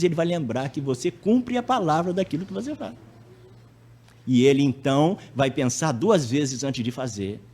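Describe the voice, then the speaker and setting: A man with a slightly high, warm voice addresses the public at a spiritist center in a chatty way. He often finishes a sentence with a question and plays out anecdotes as he tells them.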